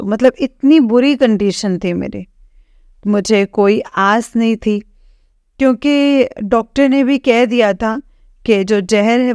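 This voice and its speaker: A young woman from Jammu telling a congregation a personal story of faith, halting and repetitive with frequent fillers. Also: on the high side, a little mellow, smooth, no room sound, clean studio sound. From Jammu, India. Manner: halting, with many fillers and repeated phrases. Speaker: devotee sharing testimony. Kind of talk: personal testimony to a spiritual congregation.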